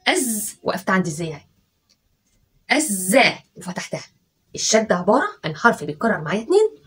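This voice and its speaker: Husky Egyptian woman teacher sounding out syllables. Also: medium pitch, big pitch swings, a bit bright. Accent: Egyptian Arabic. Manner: stretches syllables out slowly, sounding letters one by one; patient, coaxing tone toward children. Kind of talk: children's spelling and dictation lesson.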